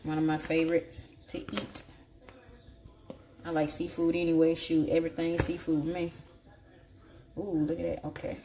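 A woman's voice: low-pitched, little pitch movement, moderate pace, long pauses, mellow. A woman with a Southern African American accent chats casually and folksily, thinking aloud as she cooks in a home kitchen. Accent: Southern African American English. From southern United States. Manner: folksy, salty, thinking aloud while working. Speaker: home cook. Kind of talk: casual cooking vlog chat. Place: home kitchen, indoors at the counter. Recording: noisy home recording with clicks.

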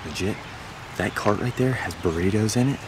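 A man exploring an abandoned site alongside the vlogger, talking in excited slang. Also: fairly low pitch, normal speed. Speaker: exploring companion. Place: outdoors. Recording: distant from the camera mic, noisy outdoors.

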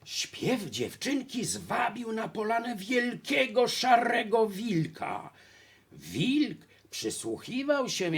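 Casting: male fairy-tale narrator, husky, unhurried, very lively pitch. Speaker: storyteller.

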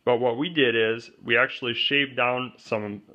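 A man's voice: medium pitch, steady tone, moderate pace, highs cut off. A man walking through a homemade camera pole build step by step, in a plainspoken way, pointing out each part. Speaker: DIY kayak gear presenter. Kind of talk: hands-on how-to walkthrough. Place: indoors at a wooden table. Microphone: off-camera voice over overhead shot of hands.

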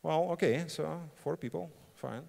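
A man's voice: on the high side, measured pace, creaky, a little mellow. A middle-aged man, a non-native English speaker, giving an informal, blunt conference talk and often checking in with "right?". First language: not English. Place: on stage in a large conference hall. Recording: reverberant hall sound system.

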